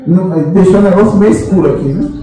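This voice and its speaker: A man's voice: high-pitched, fast, mellow. A man giving a chatty, teasing spiritual talk to a group, full of tag questions and fillers. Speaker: spiritual guide addressing a group. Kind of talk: informal spiritual talk to a meeting. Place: large echoey meeting hall. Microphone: distant room microphone. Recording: very echoey hall, voice from far off.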